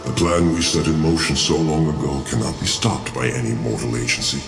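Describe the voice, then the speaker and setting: A very low, gravelly male demon in a dark fantasy game. He gloats with theatrical menace and grandiose treachery, his pitch swinging widely. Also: full character voice. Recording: echoing, distant, music underneath.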